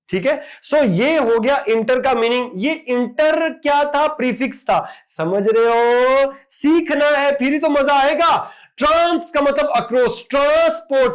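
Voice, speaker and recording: A man teaching exam vocabulary, drilling word after word in an animated lecture. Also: very high voice. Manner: lively, emphatic word-drilling with repeated "ठीक है".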